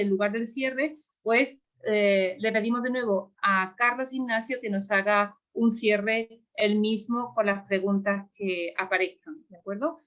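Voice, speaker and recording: A woman's voice: mid-range voice, a bit bright. A woman moderating an online conference session, talking informally with many hesitations.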